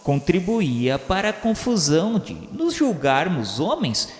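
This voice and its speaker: A man playing the solemn spirit of a dead man, recounting his memoirs in declamatory radio drama narration with dramatic pauses. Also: high voice, big pitch swings. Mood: pensive. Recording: echoey long reverb over music. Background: music.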